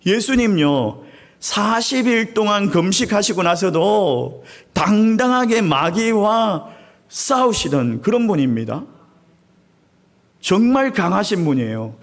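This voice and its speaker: Guy pastor preaching sunday sermon, pretty high voice, dramatic storytelling, keeps talking right to the people in church. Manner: animated storytelling, acting out crowds and weeping; often appeals directly to the congregation. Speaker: senior pastor. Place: church sanctuary.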